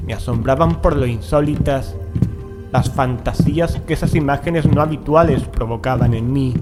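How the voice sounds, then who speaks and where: A man reading a gothic horror tale as an audiobook narrator, in a measured, deliberate manner with dramatic pauses. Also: medium pitch. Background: music.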